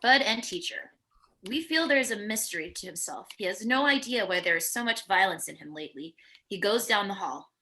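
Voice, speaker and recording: A woman reads screenplay directions aloud in a bright, clear-edged voice of medium pitch. She describes the action plainly, occasionally tripping on a word and picking it up again. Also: animated, a little fast. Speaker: stage-direction narrator. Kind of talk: reading screenplay directions aloud at a virtual table read.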